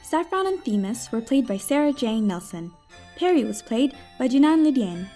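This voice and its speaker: A woman's voice: on the high side, very animated, moderate pace, dark tone, faint music behind. A woman reading scripted end credits for an audio drama podcast.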